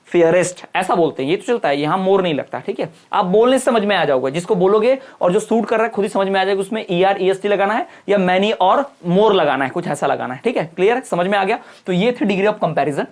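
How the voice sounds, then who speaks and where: A man's voice: high-pitched, expressive, a little fast, few pauses. A man teaching a grammar lesson, asking questions and answering them himself, repeating words and checking in often. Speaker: online exam-prep English teacher. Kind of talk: lecture in Hindi explaining grammar.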